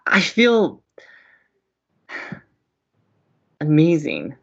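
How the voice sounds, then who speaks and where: Woman acting gushy earnest college radio cohost, lowish voice, really swoopy, kinda muffled recording. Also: wildly swooping pitch, takes it slowly, creaky, exaggerated voice. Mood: elated, romantic. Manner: effusive, earnest. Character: upbeat, romantic young college radio co-host. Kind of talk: audio drama romantic comedy dialogue.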